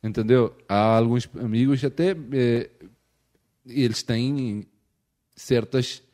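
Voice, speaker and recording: A man's voice: mid-range voice, fairly even intonation, slow pace, dark tone. Hesitant man with a Portuguese accent. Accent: European Portuguese. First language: not Portuguese. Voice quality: hesitant, with frequent restarts and filler checks. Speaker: missionary guest. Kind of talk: casual interview chat.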